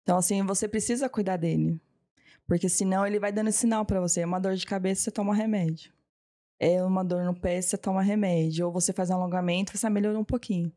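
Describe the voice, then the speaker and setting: A Brazilian massage therapist in her thirties tells her story in a casual interview, often acting out the voices of what she and others said. Her voice is mellow and warm, mid-pitched, fairly even in intonation, and fast.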